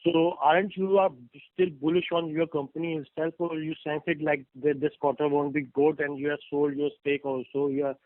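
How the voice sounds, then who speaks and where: A male investor calling in to question company management, speaking in halting, broken phrases over the phone. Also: on the high side, level tone, dry recording. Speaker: investor caller asking questions. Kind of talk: earnings call question. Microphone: phone call. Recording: thin, narrow phone line.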